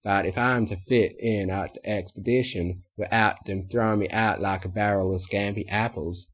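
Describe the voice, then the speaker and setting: A man's voice: lowish voice, steady tone, normal speed, slightly rough. A man reading a storybook and voicing a young adult farm mare with a Southern drawl. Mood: reassuring. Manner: drawling, stammers when nervous. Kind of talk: audiobook character reading.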